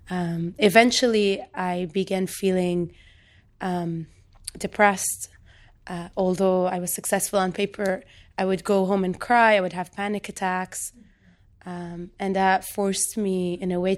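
Woman from Lebanon, 30s, poet guest; soft-spoken, thoughtful, pauses often. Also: on the low side. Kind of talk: reflective interview talk.

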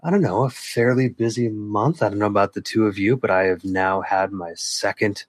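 A man hosts a casual podcast with a calm, soothing radio-style delivery. His voice sits a little low, and the recording is dry and close. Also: moderate pace, no echo. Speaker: podcast host.

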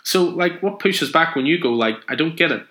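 A man doing a curious little girl, pitched up. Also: animated, moderate pace, sharp tone. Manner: inquisitive, eager. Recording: echoey room.

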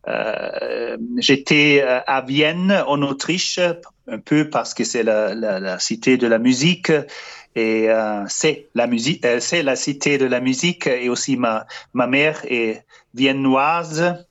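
Halting German-accented priest on radio. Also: male voice, mid-range voice, a bit bright, muffled recording. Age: 50s. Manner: halting, searching for words with many fillers and restarts. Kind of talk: radio interview answers.

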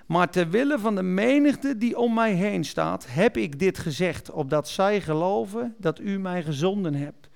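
A man's voice: high-pitched, expressive, a little slow, vocal fry, few pauses. A man preaching, reading Bible verses aloud and explaining them, correcting small slips as he goes. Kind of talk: sermon reading and explaining scripture.

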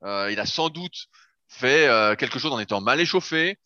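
A man's voice: medium pitch, lively intonation, moderate pace, bright, forceful tone, no echo. A man who works as a fitness coach, talking casually and explaining his method step by step, with the odd swear word. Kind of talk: casual podcast chat. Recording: dull lo-fi sound.

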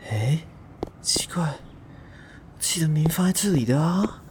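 A man's voice: a little high, animated, measured pace, whispered. An actor with a Taiwanese accent playing a sweet, scatterbrained, easily flustered young gay man in a radio drama. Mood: grumbling. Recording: music behind the voice.

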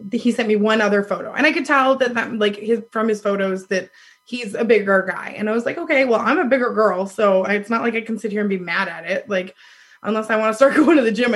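A woman in her thirties with a loud voice, telling a dating story in casual chat, animated and laughing often. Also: medium pitch, slightly rough. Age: 30s. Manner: animated, laughs often, acts out quoted lines.

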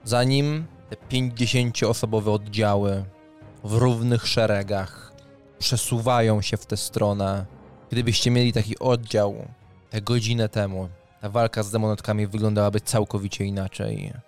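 A man narrating a tabletop fantasy game as game master, with deliberate, dramatic phrasing and pauses. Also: on the low side, fairly even intonation, darkish tone. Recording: music under the voice.

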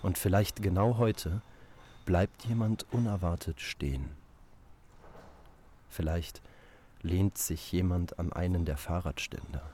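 A man narrating a scripted literary text for an audio play in a deliberate, repetitive manner. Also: deep voice, fairly even intonation, mellow, slight background noise.

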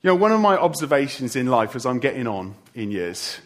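A man's voice: medium pitch, very animated, brisk, fairly bright tone. A middle-aged man preaching a farewell sermon as a church leader, with joking asides to the congregation. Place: church service.

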